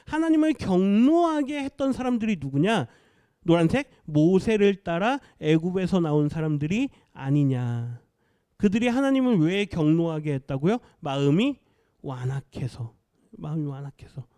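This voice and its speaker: A male pastor giving an expository sermon. He asks the congregation questions, answers them himself, and drops to a quiet voice to stress key words. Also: high voice, sing-song, moderate pace, clear, resonant tone, no room sound.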